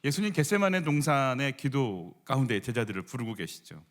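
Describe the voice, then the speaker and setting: A man's voice: medium pitch, very animated, a little fast, a bit bright. A middle-aged male pastor giving a Sunday sermon in a church, talking in a conversational way and leading the congregation in reading scripture aloud. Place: church sanctuary.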